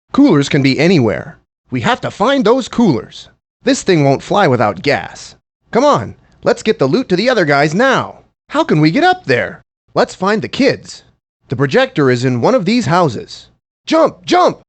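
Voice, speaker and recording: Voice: mid-range voice, wildly swooping pitch, moderate pace. An actor voicing an earnest cartoon adventurer, eagerly giving hints to friends in a video game. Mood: urgent, eager. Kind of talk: video game hint lines.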